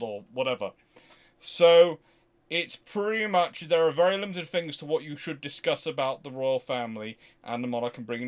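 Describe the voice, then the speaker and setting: Halting, digressive man hosting casually. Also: mid-range voice. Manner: halting, digressive, with self-corrections. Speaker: history livestream host. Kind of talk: casual unscripted question-and-answer talk.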